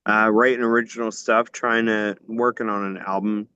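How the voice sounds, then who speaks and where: A man's voice: lowish voice, little pitch movement, moderate pace, bright, forceful tone, lo-fi sound, a little hiss or hum. Laid-back man in his forties, swearing freely. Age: 40s. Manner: loose, rambling and profane. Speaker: podcast guest, musician. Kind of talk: casual chat.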